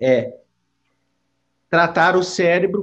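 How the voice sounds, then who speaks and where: A man speaks with a high pitch. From Brazil, Goiás. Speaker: neurosurgeon. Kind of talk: podcast interview. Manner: halting with fillers.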